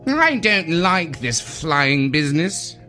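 A man's voice: a little high, sing-song, slow, bright, forceful tone, faint music behind, exaggerated voice. A man voicing a grumpy, indignant male pet cat with a whiny voice in a children's storybook. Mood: piteous.

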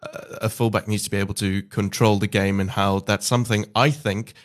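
Low-voiced podcast host steering the talk. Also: male voice, fairly even intonation, fairly quick. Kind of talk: podcast discussion.

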